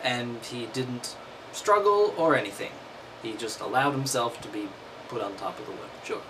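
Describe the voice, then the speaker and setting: A man's voice: medium pitch, animated, normal speed, background noise. A man reading aloud and breaking off into wry, mocking commentary. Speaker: host.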